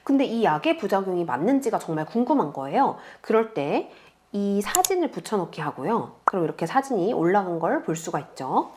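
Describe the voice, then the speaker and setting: Patient woman tutor, lively pitch. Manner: patient, explains slowly to beginners. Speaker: online tutor. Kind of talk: step-by-step screen tutorial.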